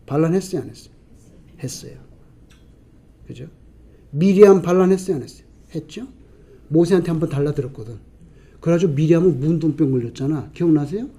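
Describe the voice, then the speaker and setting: Preaching to his congregation, a male pastor asks rhetorical questions and supplies his own answers, alternating booming emphasis with hushed asides. He has a fairly high, husky voice, speaks a little fast, and takes long pauses.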